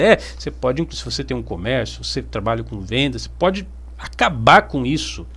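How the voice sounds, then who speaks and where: A man's voice: medium pitch, husky. A man with a Brazilian Portuguese accent giving a motivational self-help talk, speaking emphatically and piling up repeated words as he addresses his audience directly.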